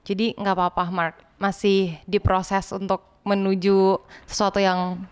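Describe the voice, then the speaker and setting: A woman's voice: mid-range voice, flat delivery, measured pace, clean tone. A young woman hosting a podcast, upbeat and encouraging toward her guests. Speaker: podcast host.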